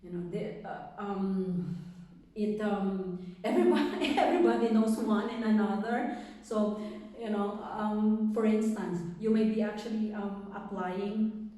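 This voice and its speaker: A woman's voice: medium pitch, fairly even intonation, measured pace, warm tone. A Filipino woman with a Filipino accent answers interview questions conversationally, often repeating words and restarting her phrases. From Philippines. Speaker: interviewee giving a testimonial. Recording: echoey room, distant microphone.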